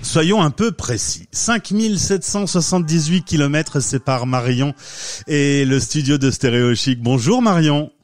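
Un homme qui anime un podcast et interroge son invitée sur un ton enjoué et taquin, avec un français. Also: male voice, fairly high pitch, moderate pace, slight background noise. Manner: playful, teasing. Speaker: podcast host.

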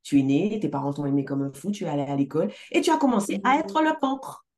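A middle-aged woman success coach talking in a casual interview, emphatic and animated, swearing now and then. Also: deep voice, fast. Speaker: success coach, podcast guest.

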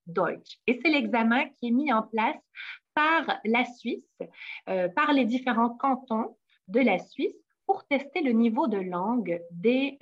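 A woman's voice: a little high, highs cut off. A woman hosting an interview, welcoming and encouraging her guest. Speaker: host, company head.

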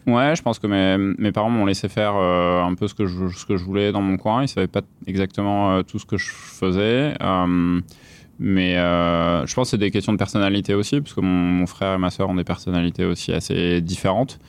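Interview guest, man, 30s, from the south of france, very low smooth voice, hesitant with lots of fillers. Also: fairly even intonation, a little fast. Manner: hesitant, many fillers and restarts. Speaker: guest, company founder. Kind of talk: casual interview conversation.

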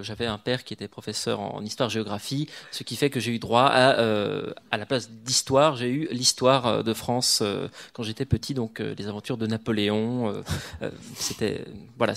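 A male historian speaks on a panel in a gravelly, mid-pitched voice. He thinks aloud as he goes, reflective and a little hesitant. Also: fairly bright tone. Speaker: guest historian. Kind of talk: panel discussion.

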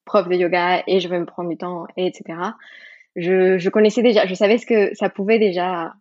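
A woman's voice: lowish voice, little pitch movement, brisk, darkish tone, dry recording. Mexican woman in her 30s, lots of restarts and little laughs, kinda muffled dry audio. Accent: Mexican Spanish. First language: Spanish. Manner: thoughtful, many restarts and fillers, laughs easily. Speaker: guest, yoga teacher. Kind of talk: podcast interview.

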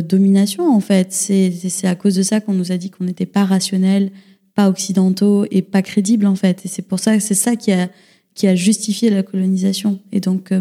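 A woman's voice: medium pitch, mellow. A woman speaking earnestly as a podcast guest, restarting her sentences now and then. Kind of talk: casual round-table chat.

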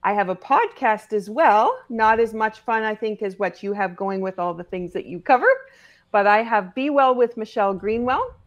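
Woman, medium pitch, casual guest chat, encouraging, lightly teasing. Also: lo-fi sound. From Cape Breton, Nova Scotia, Canada. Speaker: podcast guest. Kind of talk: casual, playful interview chat.

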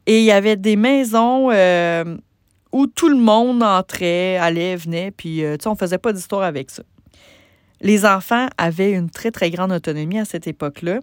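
A woman with a Québécois French accent, a business coach hosting a solo podcast, talking conversationally with many pauses and restarts. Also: mid-range voice, clear, resonant tone, dry recording, studio quality.

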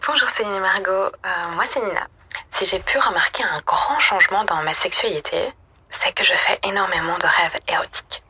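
A woman leaving a voicemail, her voice very breathy and bright. She speaks in a hushed half-whisper throughout. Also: medium pitch, normal speed. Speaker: listener leaving a voice message. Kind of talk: personal voice message.

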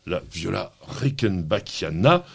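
Lively husky man hosting a gardening show. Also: low-pitched, takes it slowly. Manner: teasing, enthusiastic, laughs often. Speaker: radio gardening show host. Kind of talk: lively on-air gardening chat.

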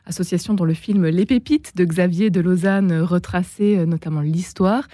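A woman hosting an interview, asking questions in a measured way with frequent pauses. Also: on the low side, warm tone, no room sound, clean studio sound. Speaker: interviewer host.

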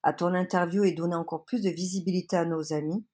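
Earnest woman guest, low voice. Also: fairly even intonation, fast talker, breathy edge. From France. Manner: warm, earnest, many hesitations. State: has a cold. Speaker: interview guest, activist. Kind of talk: casual interview.

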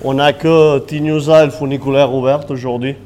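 A man's voice: mid-range voice, fairly quick. A man from the Cerdagne region with a Catalan-tinged accent, a ski patroller talking casually in an interview with lots of hesitations. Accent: Catalan-tinged French with southern French and Swiss touches. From Cerdagne, Pyrenees. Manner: relaxed, chatty, frequent hesitations. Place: ski area staff building.

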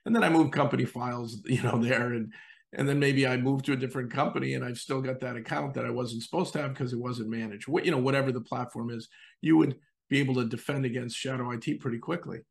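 A man's voice: mid-range voice, fairly even intonation, fast talker, vocal fry. A man hosting a podcast interview, enthusiastic and acting out what users say. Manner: enthusiastic, acts out quoted users. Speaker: host.

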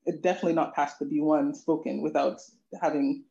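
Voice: medium pitch, little pitch movement, a little fast, gravelly, mellow. An adult language student answering interview questions in a reflective, earnest way. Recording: echoey, muffled lo-fi audio.

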